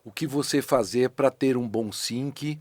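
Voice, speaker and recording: Rich: A middle-aged Brazilian man in a podcast studio, talking about his craft as a guest with animated emphasis and frequent restarts. His voice sits at a mid pitch. It is recorded dry and close. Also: unhurried, no echo. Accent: Brazilian Portuguese. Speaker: voice actor and dubbing director, guest. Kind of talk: casual conversational interview.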